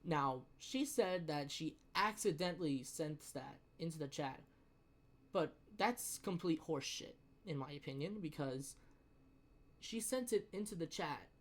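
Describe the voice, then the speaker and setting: A young adult man telling a story in a casual rant, profane and emphatic, often halting and repeating his words. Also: fairly high pitch, expressive.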